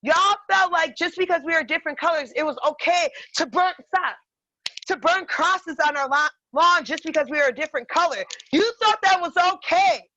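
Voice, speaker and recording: A woman in her thirties, a podcast guest telling personal stories in a profane, animated, emphatic way. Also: very high-pitched, normal speed, highs cut off. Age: 30s. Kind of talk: casual chat, personal storytelling.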